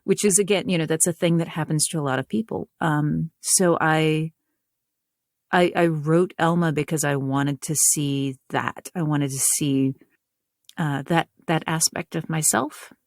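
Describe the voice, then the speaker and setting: A woman with a Southern US accent sits for a relaxed interview, speaking in a lowish voice. She thinks aloud in long, winding sentences. Her sound is close and dry, with no room in it. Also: measured pace, dry recording. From North Carolina, US South. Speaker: guest author. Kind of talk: casual interview chat.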